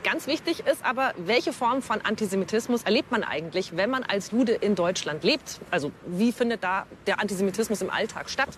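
A woman's voice: medium pitch, animated, brisk, hardly any pauses, a little hiss or hum. A woman reporter hosting an educational piece, talking informally to viewers and interviewing a guest. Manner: chatty, informal, addresses viewers. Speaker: reporter and host.

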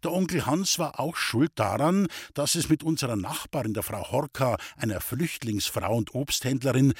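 A man from the Bavarian Forest reads his childhood memoir aloud, calm and unhurried. His voice is husky and middle in pitch. The recording is close and dry. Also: no room sound. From Bavarian Forest, Germany. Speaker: author reading his memoir.

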